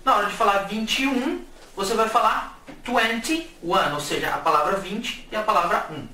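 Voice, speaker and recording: A man's voice: sits high, moderate pace, bright, forceful tone. A man from Brazil teaching English numbers in a casual, jokey video lesson. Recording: echoey room, mic at a distance, faint hiss.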